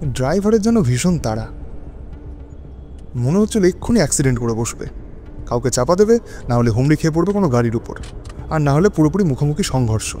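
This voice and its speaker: In a Bengali audio drama, a male actor with a slightly high, mellow voice plays an anxious, hesitant widower. He narrates his own unease and speaks his lines dramatically in short, halting phrases. Dramatic music plays behind him.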